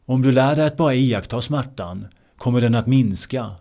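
A man teaching meditation in a measured way, often repeating key words. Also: mid-range voice, dark tone. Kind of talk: translated meditation discourse.

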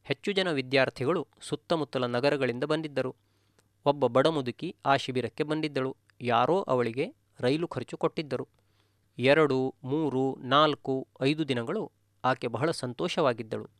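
Male meditation teacher, calm storyteller, mid pitch, dry close recording. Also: a little slow, dry recording. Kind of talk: dharma talk storytelling.

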